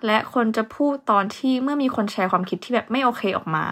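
A woman's voice: on the high side, fast, a bit bright. A young woman hosting a casual vocabulary lesson, chatting easily and spelling words out letter by letter. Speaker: English teacher host.

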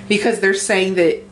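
A woman with a raspy voice co-hosting a casual podcast, swearing freely and rambling with lots of fillers. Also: medium pitch. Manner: profane, rambling, filler-heavy. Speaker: podcast co-host. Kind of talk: casual chat.

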